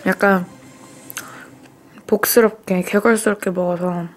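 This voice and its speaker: A woman's voice: mid-range voice, fairly even intonation, unhurried, a little hiss or hum. A young woman in casual mukbang chat, talking enthusiastically about her food while chewing. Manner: chatty, self-deprecating, enthusiastic about food. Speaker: model and vlogger. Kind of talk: casual mukbang vlog talk. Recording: music playing behind the voice. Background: background music.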